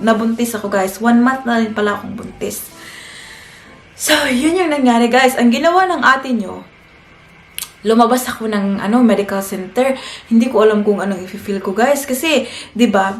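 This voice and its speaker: A young Filipina woman telling a personal story in a chatty vlog, often turning to her viewers. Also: a little high. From Philippines. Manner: chatty, keeps addressing viewers as guys. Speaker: family vlogger. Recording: echoey room with faint music.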